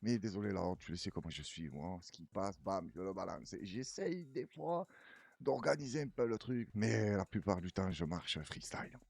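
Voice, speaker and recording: Husky low-voiced man, rambling commentary. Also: animated, moderate pace, a little mellow, no room sound. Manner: rambling, chatty, laughs often. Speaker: news commentary host. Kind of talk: casual reaction commentary.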